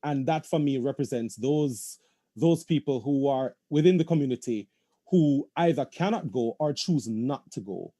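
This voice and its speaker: A man speaking thoughtfully on a video call, his tone mellow and dark and his pitch mid-range. He pauses and restarts often as he lays out his ideas as a playwright. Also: expressive. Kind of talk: panel discussion.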